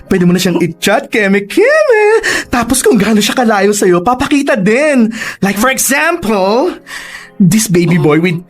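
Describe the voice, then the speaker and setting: A woman voicing an excitable, flamboyant gay best friend in a radio drama, full of shrieky, teasing camp banter. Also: medium pitch, unhurried. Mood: explaining, giddy. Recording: faint music underneath.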